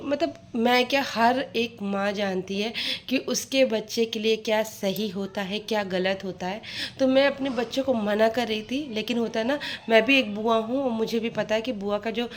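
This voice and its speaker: A talkative woman in her thirties, her voice sitting a little high, speaking straight to her viewers. She rambles with some frustration as she vlogs from home, recorded on a phone, with a faint hum of room noise behind her. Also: darkish tone. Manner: talkative, venting with frustration, addresses viewers directly. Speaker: vlogger and mother. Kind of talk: casual chatty vlog monologue. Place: at home, sorting winter clothes.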